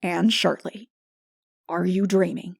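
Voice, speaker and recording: A stern, practical older woman from a storybook, voiced by a woman narrator. She speaks in a brisk, matter-of-fact, scolding way, exasperated but sensible, with a dry and close sound. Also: on the low side, fairly even intonation, gravelly, slightly rough, dry recording, heavily acted. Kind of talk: dramatic audiobook character voice.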